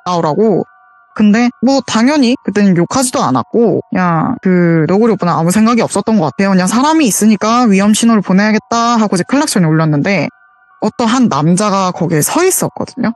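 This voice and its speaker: A woman's voice: mid-range voice, darkish tone, no echo. Earnest woman caller telling a ghost story. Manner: earnest, detailed retelling with quoted dialogue. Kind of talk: casual spoken storytelling. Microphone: voice call.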